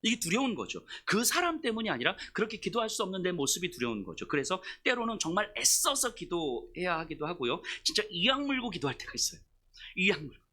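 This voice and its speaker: A male pastor preaching a heartfelt, confessional sermon. His voice is bright and somewhat high, with a hugely lively, swooping pitch. He swings from quiet asides to sudden loud bursts. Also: fast talker. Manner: emotional, confessional storytelling; shifts between soft asides and loud outbursts.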